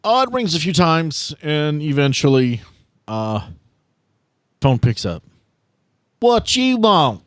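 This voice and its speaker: A man's voice: fairly high pitch, very animated, takes it slowly, pauses often, no room sound. A man running a tabletop game, narrating off the cuff and bantering casually with the players. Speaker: game master.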